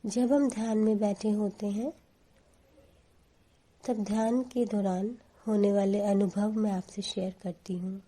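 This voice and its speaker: A woman leads a guided meditation in a very soft, mellow tone. She speaks slowly and deliberately, with a calm, soothing delivery at a medium-low pitch. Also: low-quality recording.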